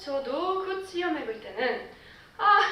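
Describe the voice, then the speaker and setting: A woman with a non-native accent uses a raised, projected voice and lively intonation, with audible room echo around her. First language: not Korean (speaking Korean). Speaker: speech contest contestant. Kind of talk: prepared speech.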